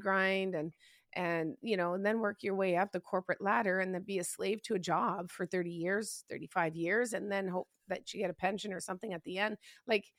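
A woman hosting a podcast interview, excitable and chatty, with lots of fillers and restarts. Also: mid-range voice, dry recording, clean studio sound. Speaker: podcast host. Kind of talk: casual interview chat.

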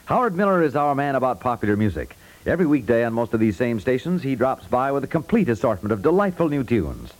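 A man reading a scripted 1950s network radio promo as an announcer, with polished, measured salesmanship. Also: medium pitch, sing-song, rough recording.

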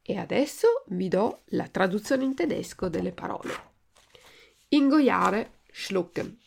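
A woman teacher reading a story aloud in a measured, deliberate way and giving word translations. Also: mid-range voice, very animated, vocal fry, noisy background. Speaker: language teacher and reader.

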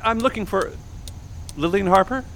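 An actor playing a chatty, officious mayor's assistant in an audio drama, formal, wordy and earnestly welcoming. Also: male voice, sits high, normal speed, creaky, noisy background. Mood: eager, officious.

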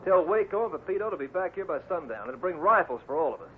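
Cowboy foreman, stern yet fatherly, commanding, folksy, high male voice, radio Western, thin hissy old recording. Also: lively intonation, quick pace, narrow, tinny audio. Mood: determined, commanding. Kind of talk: 1950s radio Western acting.

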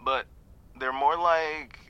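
A man's voice: a little high, fairly even intonation, slow pace, bright, forceful tone, clear, resonant tone, highs cut off. An actor playing a laid-back young male stoner calling a radio show, drawling and slangy, then growing frantic. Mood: uneasy. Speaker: radio caller. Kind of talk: audio drama acting.

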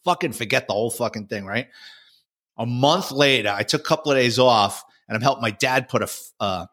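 A man, a former police detective, telling war stories in a casual, profane, animated way. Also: medium pitch, a little fast. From New York. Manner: profane, animated, acts out quotes. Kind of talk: casual storytelling.

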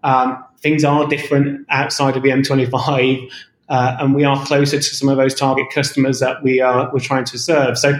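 A man's voice: medium pitch, level tone. Businesslike man in a roomy echo. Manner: measured, businesslike, with fillers. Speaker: bank executive interviewee. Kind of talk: recorded interview.

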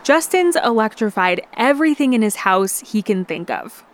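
A woman's voice: on the high side, animated, moderate pace. Woman reporter narrating a radio feature.

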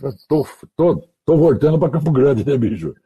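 A man from Mato Grosso do Sul tells slangy radio anecdotes over an online call. His voice is very husky and dark, fairly low, and swings widely in pitch as he acts out the people in his stories. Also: unhurried. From Mato Grosso do Sul, Brazil. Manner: animated anecdotes, acting out quoted voices, slangy. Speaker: guest, radio announcer. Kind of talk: casual storytelling.

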